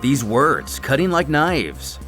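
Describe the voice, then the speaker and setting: A man's voice: mid-range voice, very animated, slow, a bit bright, soft background music. A man delivering scripted story recap narration in a dramatic storytelling manner, with wry asides.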